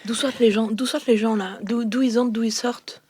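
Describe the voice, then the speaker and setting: A fairly high, husky female captive from a sci-fi audio fiction , improvised by a woman. She is inquisitive and startled, repeating herself, in a dry recording. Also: steady tone, quick pace, darkish tone, no room sound. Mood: bewildered, probing. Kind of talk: improvised roleplay.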